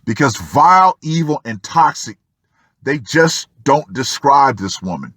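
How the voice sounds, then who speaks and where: A man giving opinion commentary as an online host, emphatic and fond of dramatic pauses. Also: mid-range voice, lively intonation, a bit bright, slightly rough, dry recording, clean studio sound. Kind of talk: opinion commentary on a Reddit post.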